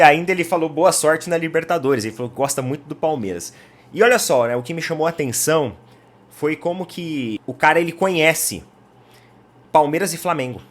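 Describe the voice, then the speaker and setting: A man with a Brazilian Portuguese accent, hosting a football opinion channel in a chatty, animated way and speaking straight to his viewers. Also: a little high. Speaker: football commentary channel host. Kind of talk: casual football opinion talk.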